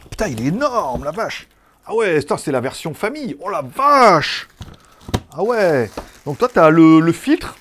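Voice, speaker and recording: A man's voice: high voice, a little hiss or hum. Chatty, swearing French tech streamer man. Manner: chatty, swears freely, laughs at his own jokes, rambling asides. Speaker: tech YouTuber hosting a live news show. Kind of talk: casual live-stream chat.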